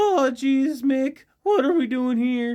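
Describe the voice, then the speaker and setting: Someone delivers a high-pitched put-on character voice at a fairly slow pace. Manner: nervous, stammering.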